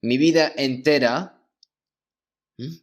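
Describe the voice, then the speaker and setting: A man preaching a sermon, reading scripture passages aloud and then explaining them slowly, often pausing to check in with his listeners with a questioning hum. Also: medium pitch.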